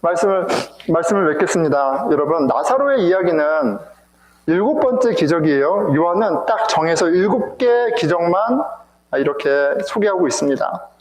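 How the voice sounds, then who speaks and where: High-voiced emotional male pastor preaching. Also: expressive, normal speed. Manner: emotional, rhetorical, addresses the congregation. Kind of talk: sermon. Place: church sanctuary. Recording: echoey church sanctuary.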